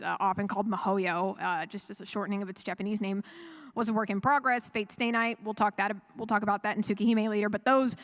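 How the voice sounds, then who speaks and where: Chatty, higher-pitched woman giving a fan talk. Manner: chatty and rambling, with frequent self-corrections and chuckles. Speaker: convention panelist. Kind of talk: casual, enthusiastic fan panel talk. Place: live panel room at a fan convention.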